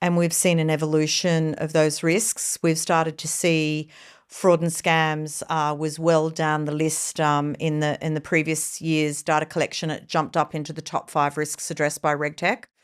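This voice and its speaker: A woman with an Australian accent speaks at a moderate pace in a very deep, low pitch with monotone, flat intonation and hardly any pauses, on a very clean recording with a silent background. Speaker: former industry association CEO. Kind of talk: podcast interview. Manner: frequent fillers and repetitions.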